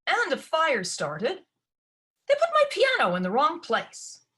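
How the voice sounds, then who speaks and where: A woman voicing a haughty, snappish young stepsister in a storybook reading, demanding and sharp-tongued. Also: high-pitched, huge pitch swings, takes it slowly, voice pushed up, heavily acted.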